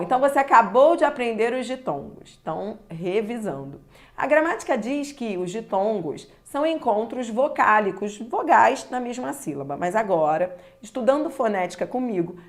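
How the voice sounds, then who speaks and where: A Brazilian woman teaching a grammar lesson, stretching key words and speaking straight to the viewer. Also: a little high. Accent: Brazilian Portuguese. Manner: slow and deliberate, stretching key words, addressing the viewer directly.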